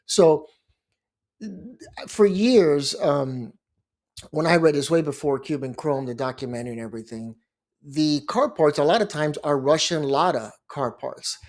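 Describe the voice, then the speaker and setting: Chatty middle-aged man, rather high voice. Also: unhurried, a little mellow. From Miami, Florida. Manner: chatty, rambling, frequent restarts and asides. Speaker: bankruptcy lawyer and blog host. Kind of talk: casual monologue to camera.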